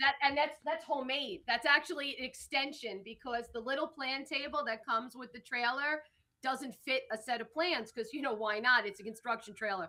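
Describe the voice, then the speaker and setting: With a New York accent, a woman speaks in a raised, projected voice at a high pitch and moderate pace, her tone bright, sharp and animated, with ordinary pitch variation. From New York City. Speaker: construction project manager. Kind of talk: interview. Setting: video call from a construction trailer. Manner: loud.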